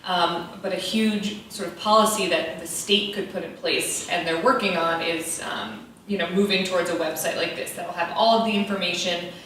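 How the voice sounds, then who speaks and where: A woman on a panel explaining resources in a measured, informative way with frequent ums. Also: on the low side, fairly even intonation, a bit bright, slight background noise. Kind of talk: panel discussion. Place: event hall. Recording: echoey hall from far off.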